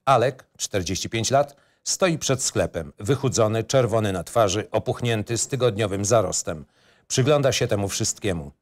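Low-voiced, matter-of-fact male narrator. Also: lively intonation, moderate pace. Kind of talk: scripted screenplay narration.

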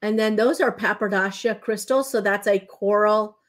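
A woman in her forties hosting a live jewelry shopping show, chatty and enthusiastic with lots of ums, her voice slightly hoarse from a recent bronchitis. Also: medium pitch, steady tone, moderate pace. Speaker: jewelry livestream host. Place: indoor home studio room.

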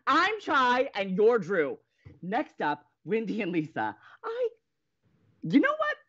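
A woman playing an anxious, stubborn young college radio host in an audio drama, with a flustered, halting, emphatic way of talking. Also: a little high, wildly swooping pitch, a bit bright, breathy edge, muffled recording, exaggerated voice. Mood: exasperated. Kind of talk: naturalistic audio drama acting.

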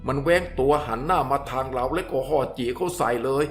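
A man voicing a cold, deadpan adult hunter who speaks in flat, curt, clipped sentences. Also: medium pitch, brisk, soft background music, lightly acted.

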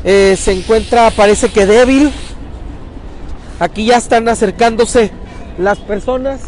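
A man reporting live from a riverbank, urgent and talking fast, sometimes calling out loudly across the water. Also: sits high, a little hiss or hum. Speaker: local news reporter. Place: outdoors at a riverbank.

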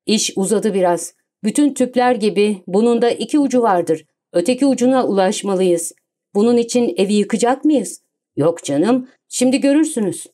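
A woman reading the lines of a suave, commanding gentleman thief in an audiobook, cool and self-assured. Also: mid-range voice, lively intonation, moderate pace, close to an everyday voice. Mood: calm, commanding.

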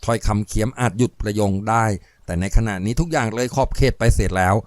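A man reading a novel aloud as narrator, with steady storytelling. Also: lowish voice, fast, no echo, clean studio sound.

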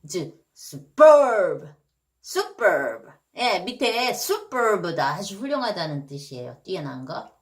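A woman hosting a casual lesson for parents, moving from quick chatty remarks to slow, drawn-out English example phrases. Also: fairly low pitch, very animated, a bit bright.

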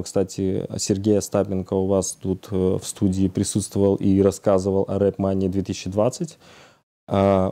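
A man in his thirties talks as a guest in a casual studio interview. His voice is low and very dark, soft-edged. He often pauses and searches for his words. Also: vocal fry. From Odesa, Ukraine. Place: TV studio, indoors, seated.

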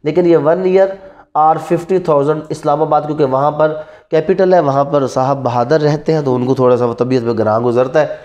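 In front of a classroom whiteboard, a law teacher in his thirties with a Pakistani accent lectures in a fairly quick, darkish voice that sits on the high side. He draws on both Urdu and English terms, posing rhetorical questions and repeating key terms.

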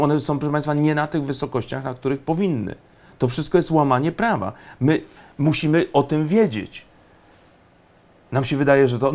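A man giving indignant, emphatic political commentary, often pausing on fillers. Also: mid-range voice, darkish tone.

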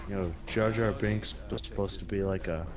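A man's voice: on the low side, steady tone, moderate pace. A young man co-hosting a casual gaming commentary, tossing in crude jokes. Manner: joking, crude asides. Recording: clear music in background.

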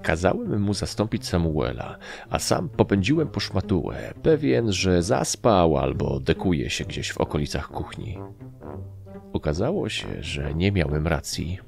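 Deep gravelly male audiobook narrator. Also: big pitch swings, measured pace, darkish tone, soft background music. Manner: dry, wry storytelling. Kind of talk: first-person audiobook narration.

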